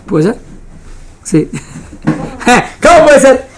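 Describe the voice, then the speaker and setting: This woman speaks on the high side, sing-song and drawing out her words. She's a religion teacher with an Argentine Spanish accent leading an interactive small-class lecture, repeating phrases didactically and often asking if it's understood.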